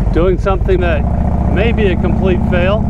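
The speech comes at a fairly slow pace, with a dry, echo-free sound under loud background noise. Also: man. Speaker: motorcycle vlogger. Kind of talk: casual vlog chat. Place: motorbike.

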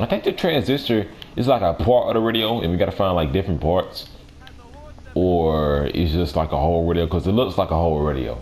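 A man's very deep, low voice, very fast and with lively intonation, over noticeable background noise. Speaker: gaming youtuber. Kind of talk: casual gameplay commentary. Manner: animated, joking.

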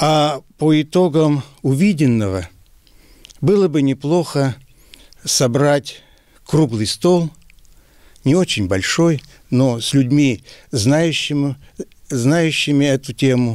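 A man talks at a very slow pace with long, frequent pauses. The sound is dry with no echo, and the background is quiet. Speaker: public council member. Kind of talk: interview answer. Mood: calm, considered. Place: hall. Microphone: lapel.

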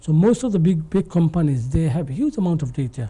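A man's fairly high voice with a dark, mellow tone, at a fairly quick pace. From Bangladesh, Sylhet region (Sunamganj). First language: Bengali (Sylheti). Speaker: business intelligence consultant. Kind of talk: TV interview. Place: studio. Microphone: lapel.

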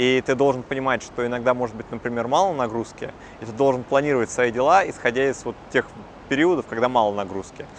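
A man's medium-pitched voice at a very fast pace, with ordinary pitch variation, a dry sound with no echo and light background noise. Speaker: junior lawyer. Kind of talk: interview. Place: street. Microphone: lapel.

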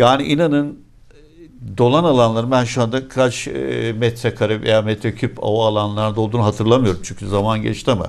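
At a medium pitch with ordinary variation, a man talks in an unremarkable speaking voice. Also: moderate pace. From Izmit, Turkey. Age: 60s. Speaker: TV talk show host. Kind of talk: interview.

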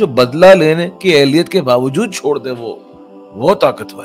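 A man at medium pitch speaks with very wide pitch swings while faint music plays in the background. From Pakistan. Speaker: Islamic motivational speaker / teacher. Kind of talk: Islamic motivational sermon. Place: studio. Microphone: studio mic.

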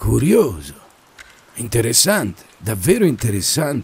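A man's put-on character voice, croaky and medium in pitch, with very wide pitch swings at a fairly slow pace. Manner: absorbed, curious.

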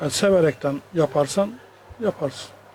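Noticeable background noise sits behind a man's voice. His pitch is high and his intonation lively. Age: 70s. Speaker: watch repairman. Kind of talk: interview answer.

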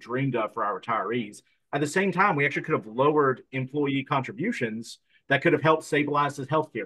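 Against a quiet background, a man with an American accent talks very fast in a fairly high pitch. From rural northwest North Carolina. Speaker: state legislator, economist, candidate. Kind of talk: political forum answers. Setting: video call. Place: home room. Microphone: video call.

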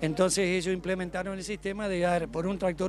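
There is light background noise as a man speaks in a high pitch, the sound dry with no echo. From Argentina, Paraná (Entre Ríos); Entre Ríos, Argentina. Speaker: agricultural machinery businessman. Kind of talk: interview. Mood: proud, grateful. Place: open country. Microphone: handheld.

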